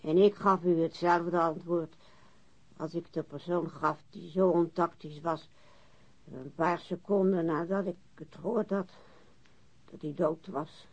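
Casting: boozy, refined widow, slow and prickly, with a gravelly, raspy female voice, for a muffled radio play. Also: lowish voice, fairly even intonation, darkish tone. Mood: indignant. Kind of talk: radio drama acting.

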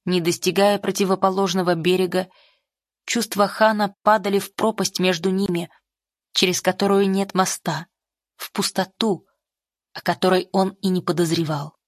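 Woman audiobook narrator, lower register, measured, dry studio sound. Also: fairly even intonation, no room sound. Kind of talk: scripted narration of a novel.

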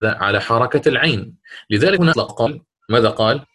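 Man, recitation teacher, online lesson, explanatory, checks with quick questions, middle-pitched voice. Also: lively intonation, music in the background. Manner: recites verses slowly and drawn out.

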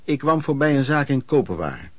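A man's voice: medium pitch, sing-song, fairly quick, breathy edge, dry recording. An actor playing a man who narrates his hard, hopeful youth as a street trader, in colloquial first-person radio play style. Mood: plain reminiscing. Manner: colloquial, storytelling, clipped phrases.

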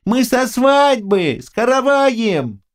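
A man voicing a frightened old peasant matchmaker who begs in a high, quavering, drawn-out voice for an audiobook. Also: very animated, exaggerated voice. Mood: pleading. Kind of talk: audiobook character voice.

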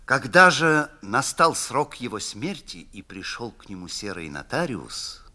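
A man's voice: medium pitch, unhurried. A man narrating a literary story in a declamatory, theatrical reading. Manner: expressive, declamatory.

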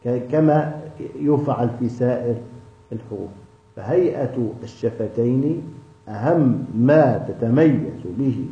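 A man teaching tajweed in a class session, answering a student with many halting restarts. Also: medium pitch. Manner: hesitant, with many restarts and drawn-out fillers. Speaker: Quran recitation teacher. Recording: echoey, dull lo-fi room recording.

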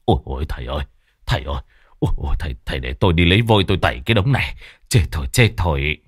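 A panicky middle-aged village father, as a narrator puts him on. The voice is very low but swings about as he babbles, close and dry. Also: lively intonation, rapid-fire, breathy edge, dry recording, heavily acted. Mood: panicked. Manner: fretful, babbling.

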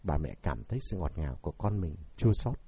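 A man narrating a novel as an audiobook in an expressive, dramatic reading. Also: extremely low pitch, a little fast, slightly rough.

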